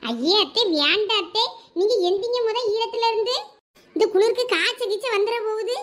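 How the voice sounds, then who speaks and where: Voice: extremely high pitch, a little fast, a bit bright. A voice actor playing a patient young wife coaxing her mother-in-law in a cartoon, with a Thoothukudi Tamil accent. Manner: coaxing, persuasive. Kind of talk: cartoon voice acting.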